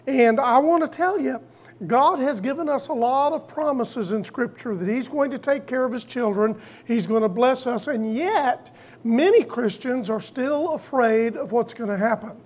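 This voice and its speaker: An older preacher delivering a sermon in a folksy storytelling way, repeating phrases deliberately for emphasis. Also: medium pitch, darkish tone.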